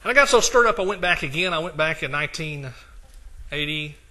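An older male preacher delivering a sermon in a bright, forceful voice that sits somewhat high for a man. He reads scripture with climbing emphasis, then drops into easy, conversational asides. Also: animated, fairly quick.

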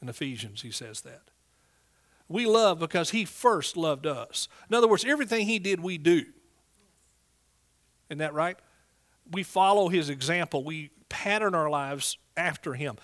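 Preacher, male, middle age. East Texas accent, pitch a little high, folksy and emphatic sermon style. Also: fairly bright tone. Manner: folksy, emphatic, prompts listeners with amens and hallelujahs.

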